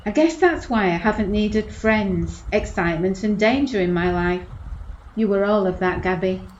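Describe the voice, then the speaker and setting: A woman's voice: mid-range voice, normal speed, lightly acted. An actress playing a frank, determined woman facing early dementia in an audio drama. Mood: fond. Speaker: actor. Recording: echoey, dull lo-fi, faint noise.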